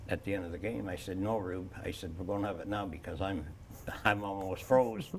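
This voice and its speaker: A fairly low-pitched man with an Ontario accent, amid audible room echo. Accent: Canadian (Ontario). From Peterborough, Ontario, Canada. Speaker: retired baseball manager. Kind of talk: interview. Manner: halting, many fillers.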